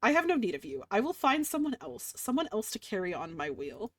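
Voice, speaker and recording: A woman's voice: mid-range voice, very animated, brisk, no room sound. A woman reading the lines of a cold, disdainful deity in a formal, haughty, dismissive way. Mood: scornful.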